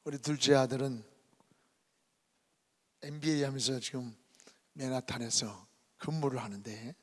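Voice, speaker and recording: A middle-aged male pastor preaching a revival sermon, telling a story dramatically and swinging between hushed whispers and loud cries. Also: fairly high pitch, vocal fry. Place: church sanctuary. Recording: hall reverb.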